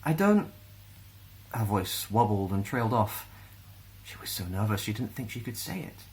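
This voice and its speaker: A man with a Scottish accent reading a children's fantasy story aloud in an expressive storytelling style. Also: on the low side, normal speed. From Glasgow, Scotland.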